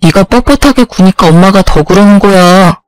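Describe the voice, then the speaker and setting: A woman's voice: medium pitch, moderate pace, soft background music, close to an everyday voice. A woman voicing a self-centered young husband who curtly brushes off his wife's complaints. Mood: dismissive.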